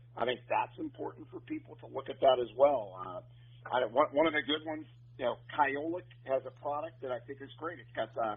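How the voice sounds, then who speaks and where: Using a plain, everyday voice, a man with a fairly high pitch talks at a fairly quick pace with ordinary pitch variation and big swings in loudness. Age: 60s. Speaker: clinical pharmacist and nutritionist. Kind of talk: interview.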